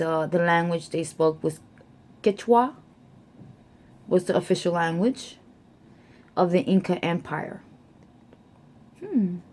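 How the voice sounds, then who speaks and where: A young adult woman from the United States, chatting casually to camera and reading out her results slowly, with many fillers. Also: lowish voice. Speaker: vlogger.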